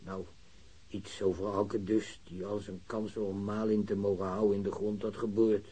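A man's voice: lowish voice, flat delivery, moderate pace, mellow, breathy edge, rough recording. A man acting a worried, aggrieved working-class grandfather in a radio drama, plain-spoken and grumbling. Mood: bitter. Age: older.

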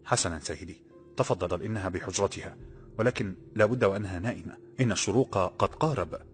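A man's voice: sits low, fast talker, soft background music, close to an everyday voice. A man voicing a nervous young palace guard who speaks in an apologetic, deferential way.

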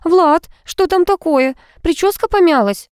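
A woman's voice: high-pitched, expressive, measured pace, darkish tone, no room sound, clean studio sound, pitched above the performer's own voice. A woman voicing an anxious, fussy young female student in an audiobook. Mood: panicky. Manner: anxious, whiny.

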